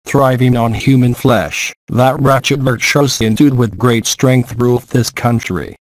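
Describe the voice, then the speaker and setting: A grieving, resigned old Brahmana father, as a man reads him in a storybook reading. His solemn speech comes at a plain middle pitch with a dry, close sound. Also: dry recording, lightly acted, rough recording. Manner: solemn measured archaic speech. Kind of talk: audiobook reading.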